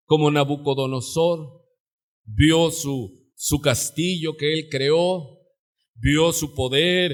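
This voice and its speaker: A Mexican man preaching a live sermon as pastor in his church, swinging from sudden shouts to quiet asides. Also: fairly high pitch. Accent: Mexican Spanish. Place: church sanctuary.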